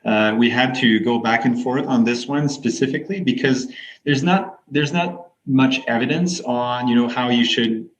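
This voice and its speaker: A man's voice: mid-range voice, moderate pace. A man, a physiotherapist and researcher, explaining his ideas fluently and evenly as a guest in a podcast interview. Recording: dull lo-fi audio.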